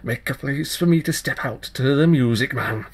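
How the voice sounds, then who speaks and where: Brief: loud, sharp fairy changeling brat, wicked and wizened, bossy, played by a man. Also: medium pitch, moderate pace, breathy edge. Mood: bossy, gleeful.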